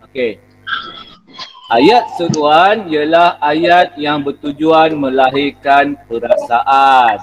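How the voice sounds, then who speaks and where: A male teacher with a Malaysian Malay accent coaxes his pupils through an online class. His voice sits high, and he fills his pauses with "ah" and "ya". A faint hiss runs under the video-call audio. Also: low-quality recording. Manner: coaxing, repeats "ah" and "ya" often. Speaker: primary school teacher.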